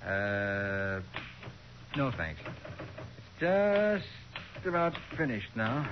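An actor playing a confident, easygoing private detective in a 1940s radio crime drama. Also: male voice, lowish voice, sing-song, extremely slow, exaggerated voice. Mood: breezy. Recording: muffled noisy vintage radio recording.

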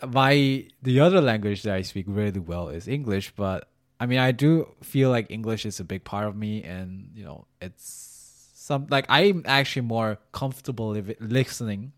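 A man whose first language is Chinese, chatting casually and laughing, with a relaxed, slightly profane way of talking. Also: moderate pace. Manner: casual, laughing, swears lightly, animated pitch. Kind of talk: casual podcast chat.

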